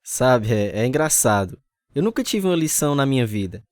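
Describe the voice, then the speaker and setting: A man acting as an earnest, troubled young Bible college student who tells his story in a measured, confessional radio drama style. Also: medium pitch, big pitch swings, no echo, studio quality, natural voice. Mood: friendly. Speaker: narrator and lead actor. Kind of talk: dramatized first-person radio testimony. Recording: music under the voice.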